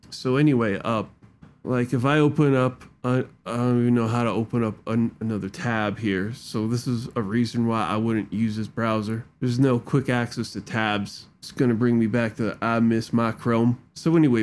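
A man's voice: medium pitch, fairly even intonation, moderate pace. Slangy man rambling at his desk mic. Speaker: tech video creator. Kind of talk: casual screen-recording walkthrough. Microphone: studio microphone at a desk.

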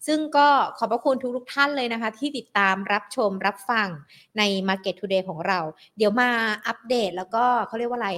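A young woman hosting a stock market live stream, a little hoarse, chatting politely and greeting viewers. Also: mid-range voice, moderate pace. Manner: polite, chatty, peppered with soft sentence particles. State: slightly hoarse. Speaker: host of a stock market show.

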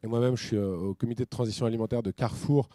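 Man, middle-aged, conference talk, casual, ironic, mellow tone, dry sound. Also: medium pitch, rapid-fire, no room sound. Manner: casual, animated, with many fillers and restarts; colloquial and ironic asides. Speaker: speaker at a business talk.

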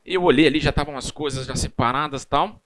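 A man in his thirties with a Brazilian Portuguese accent teaches a church class in a fairly high, slightly bright voice, talking quickly. He keeps it casual and chatty, full of personal stories and tag questions.

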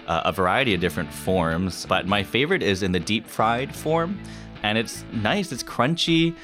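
Deep-voiced young man, relaxed and chatty. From Canada. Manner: relaxed, chatty, with many fillers. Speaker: interview guest. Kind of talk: casual interview.

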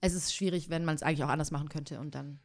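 A woman's voice: sits low, steady tone, fast talker. A young woman, co-hosting a podcast in casual chat, thoughtful and hedging with many fillers. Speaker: podcast co-host.

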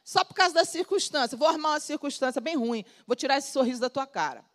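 A woman's voice: sits high, lively intonation, fast talker. A woman acting out a sly, scheming devil who taunts in a mocking sing-song.

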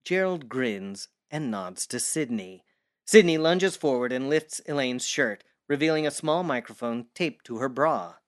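A man's voice: mid-range voice, lively intonation, unhurried. Male narrator of an audio drama. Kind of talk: scripted audio drama narration, present tense.

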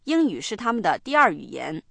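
Woman hosting a slow, careful language lesson. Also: mid-range voice, big pitch swings, gravelly, no room sound. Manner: slow, deliberate explaining and spelling. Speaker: language program host. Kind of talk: bilingual lesson narration.

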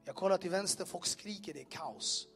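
Standing before an audience in a room, a man with a high voice and some vocal fry recounts his personal testimony over faint background music. He's a vivid, animated storyteller who throws in sound effects and asks the crowd direct questions.

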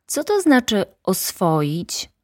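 A woman voicing the Little Prince, a gentle and lonely young boy, in an earnest, wondering storybook reading. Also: medium pitch, huge pitch swings, slow, no echo, clean studio sound, voice pushed up, heavily acted.

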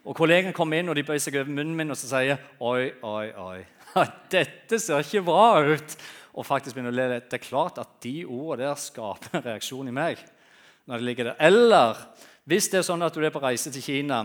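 A male guest preacher delivers a sermon full of humorous anecdotes, telling them with animation in a mid-pitched voice that moves from loud to soft.

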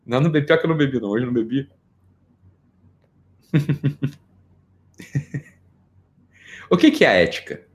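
A man's voice: medium pitch, normal speed, pauses often. A middle-aged Brazilian man giving an informal psychology lecture, joking and firing off rhetorical questions. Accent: Brazilian Portuguese. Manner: animated, jokey, rhetorical questions.

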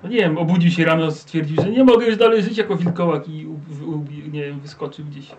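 A man's voice: fairly high pitch, quick pace, a little mellow. A man playing a tabletop game, joking casually with the others. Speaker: player.

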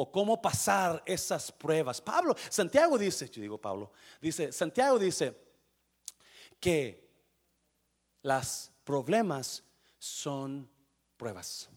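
Male preacher, sermon, high-pitched, very animated, questions to the congregation, English words slipped into Spanish. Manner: swings from quiet asides to loud bursts. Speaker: pastor.

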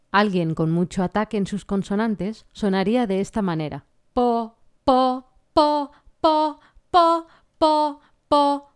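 A woman vocal coach explaining singing technique in a clear, patient way. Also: mid-range voice, a little mellow. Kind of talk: singing lesson with sung vocal examples.

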